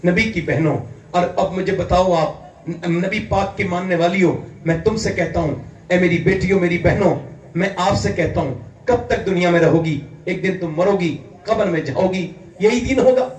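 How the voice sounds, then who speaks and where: A man from India preaching an impassioned sermon, fervent and building to loud emphatic peaks. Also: sits high. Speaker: Islamic preacher. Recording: echoey hall, distant mic, faint ambience.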